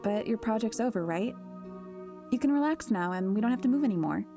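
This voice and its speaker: A woman's voice: fairly high pitch, expressive, fairly quick, over music. A young woman playing a guarded, wry teenage daughter in an audio drama, with an understated, questioning manner. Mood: concerned.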